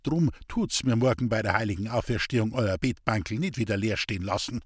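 A man's voice: lowish voice, fairly quick, slightly rough, no room sound, clean studio sound. A man voicing an earnest, coaxing village priest speaking in Bavarian dialect in a storybook reading.

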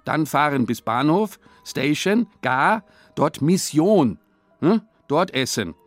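A man voicing a stern club chairman who speaks slowly, loudly and in simplified broken phrases. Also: fairly high pitch, sing-song, no echo, soft background music, pitched above the performer's own voice. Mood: commanding. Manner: loud, slow, simplified broken talk to foreigners. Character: stern club chairman, middle-aged man, gruffly commanding.

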